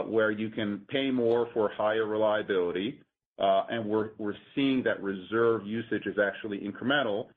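A man speaking as a company executive, explaining things methodically and haltingly on an earnings call. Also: on the low side. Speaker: company executive answering analysts. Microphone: conference call line. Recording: muffled, narrow-band conference phone line.

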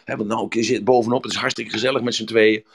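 A man voicing a cautious, slow male turtle from a fable, wary and reasoning. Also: on the low side, fairly even intonation, gravelly, husky, voice pushed up. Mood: friendly.

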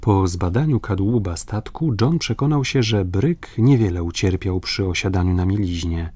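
Low-voiced male audiobook narrator. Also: darkish tone, no echo. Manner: measured literary reading. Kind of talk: scripted narration.

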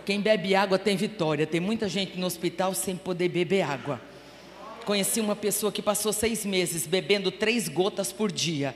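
A woman missionary with a Brazilian accent preaching a sermon fervently, her voice swelling to loud exclamations. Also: on the low side, normal speed, slight background noise. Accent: Brazilian Portuguese. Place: church hall. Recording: echoey church hall.

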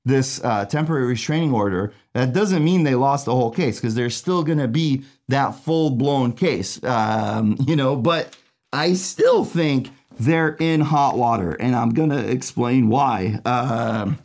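A man's voice: medium pitch, unhurried, darkish tone. A man born in Iraq, a trial attorney, explaining a legal case in casual, rambling talk full of fillers and asides. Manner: chatty, many fillers and asides, laughs at own jokes.

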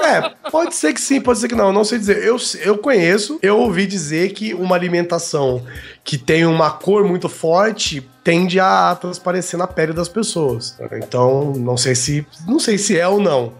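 A man's voice: high-pitched, moderate pace, creaky, breathy edge, soft background music. A Brazilian man co-hosting a podcast, explaining facts in a long, casual way with lots of filler tags. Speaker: podcast co-host.

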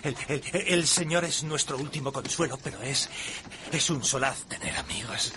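An actor in a dubbed TV drama playing an earnest frontier preacher who stammers now and then. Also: male voice, medium pitch, expressive, moderate pace, background noise, close to an everyday voice.

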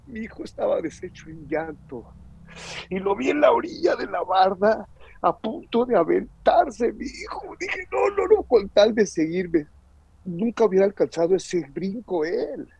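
Husky, gravelly middle-aged Mexican man. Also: sits high, animated, unhurried, darkish tone, no echo. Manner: earnest, emotional storyteller who acts out the voices in his story. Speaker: guest giving a personal testimony. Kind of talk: personal testimony in conversation. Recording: dull lo-fi recording.

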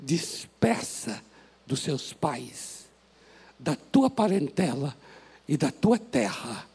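High-voiced Brazilian pastor preaching. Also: male voice, big pitch swings, drawn-out words, vocal fry, husky. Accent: Brazilian Portuguese. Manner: impassioned, rises to shouts then drops to soft prayer. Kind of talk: sermon. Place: church sanctuary.

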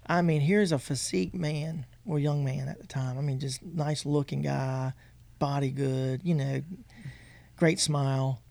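A man with a high voice co-hosting a casual Christian podcast, telling stories with emphatic agreement. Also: measured pace, gravelly, no room sound. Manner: animated storytelling, emphatic agreement. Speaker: podcast co-host.

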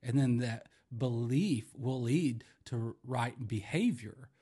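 A man, a podcast co-host and former youth leader, chatting casually in a halting way with many restarts. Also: mid-range voice, warm tone, slightly rough. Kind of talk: casual chat.

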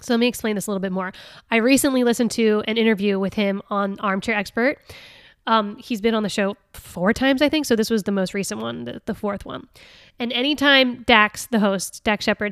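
A woman hosting a casual solo podcast, chatty and laughing often, reading passages aloud with lively expression. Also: a little high, normal speed, clean tone, no echo, studio quality. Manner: chatty, laughing often, with many fillers and restarts. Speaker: podcast host.

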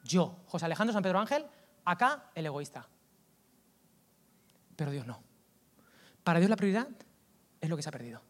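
A man with a Valencian Spanish accent, preaching a lively, colloquial sermon that swings from loud outbursts to hushed asides. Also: on the high side, normal speed, long pauses. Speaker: pastor.

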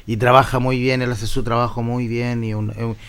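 A man's voice: medium pitch, flat delivery, fairly quick, fairly bright tone, clean tone. A man with a Chilean Spanish accent in casual sports talk, starting hesitantly and repeating himself.

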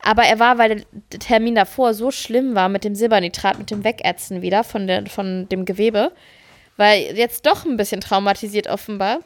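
A woman co-hosting a podcast, chatting casually and telling stories in a lively, self-mocking way. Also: mid-range voice, moderate pace. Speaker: podcast co-host. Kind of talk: casual chat.

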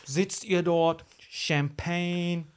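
A young man co-hosting a podcast, telling a story in slangy, animated chat and acting out the people in it. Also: high voice, very slow, clean tone. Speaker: podcast co-host.

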